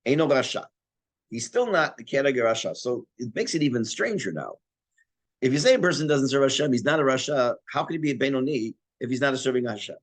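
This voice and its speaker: An older man teaching a Torah class in a conversational, self-deprecating way, his voice going hoarse and interrupted by throat clearing. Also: medium pitch, sing-song, fast talker. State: losing his voice. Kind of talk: Torah class, explaining text.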